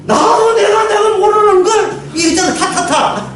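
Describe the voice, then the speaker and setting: A man preaching a sermon as pastor, lively, often laughing and asking his listeners questions. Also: extremely high pitch, a little slow, distant mic. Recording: very echoey hall, mic from afar, faint noise.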